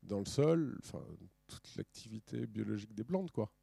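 A middle-aged man from France giving a talk with slides, casual and animated, with ironic asides and many restarts. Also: on the low side, normal speed, vocal fry, breathy edge, dry recording. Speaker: speaker at a business talk.

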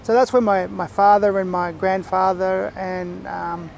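A man with an Aboriginal Australian accent speaks in a fairly high register with little melodic swing and a touch of creak. He talks reflectively as an interview guest, explaining as he goes and pausing mid-thought. Light outdoor noise sits behind him. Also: little pitch movement, darkish tone. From Far East Gippsland, Victoria, Australia. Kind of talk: reflective casual interview talk.

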